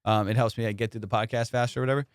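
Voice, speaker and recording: Smooth-voiced man bantering on a podcast. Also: medium pitch, level tone, very fast, no room sound, clean studio sound. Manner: slangy, profane, teasing banter. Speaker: comedian and podcast host. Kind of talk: casual comedic podcast chat.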